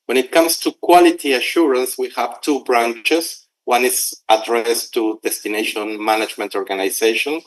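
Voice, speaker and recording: A middle-aged man from Argentina, giving a conversational conference presentation and pausing at times to find words. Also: mid-range voice, fairly even intonation, poor audio. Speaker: conference speaker.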